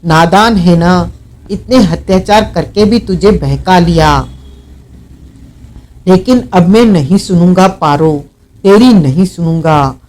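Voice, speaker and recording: A vengeful, hot-tempered outlaw man who snarls and shouts his threats, as an audiobook narrator puts him on. The voice sits high and moves slowly and heavily, every word pressed out with menace. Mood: furious. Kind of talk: audiobook character reading.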